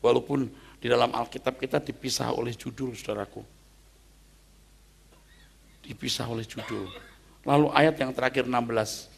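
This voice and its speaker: A man preaching a sermon as pastor, emphatic, jumping from loud exclamations to soft asides. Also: medium pitch, fairly even intonation, moderate pace, gravelly, pauses often, husky.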